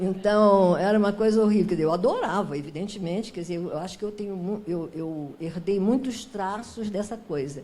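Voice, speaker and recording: A woman at medium pitch with ordinary pitch variation, moderate pace and hardly any pauses, with audible room echo. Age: 80s+. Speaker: author. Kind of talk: book launch conversation. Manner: halting, many restarts.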